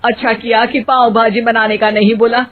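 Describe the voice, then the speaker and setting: A woman's voice: a little high, little pitch movement, moderate pace, natural voice. A woman playing an exasperated, scolding mother-in-law. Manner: scolding, exclaiming. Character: middle-aged mother-in-law, bossy but exasperated. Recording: tinny phone-like audio.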